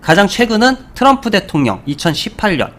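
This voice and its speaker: A man's voice: sits high, very animated, fairly quick, fairly bright tone. Chatty Korean man explaining stock charts. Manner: chatty, frequent fillers, rhetorical questions and puns. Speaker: stock market YouTuber. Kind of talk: casual explanatory talk over charts.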